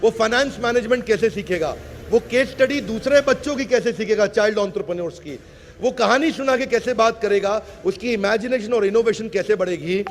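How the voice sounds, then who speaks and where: A man giving a loud promotional stage speech, rallying the audience with rhythmic slogans. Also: sits high, brisk, faint music behind. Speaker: speaker pitching an education program. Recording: loud crowd and noise behind. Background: loud crowd and noise.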